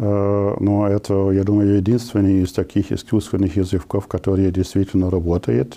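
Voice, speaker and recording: Here a man with a fairly low pitch speaks at a moderate pace with hardly any pauses, very even loudness, and fairly even intonation. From Germany. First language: German and Esperanto (speaking Russian). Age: 60s. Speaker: retired diplomat. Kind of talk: interview answers. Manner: halting, many hesitations.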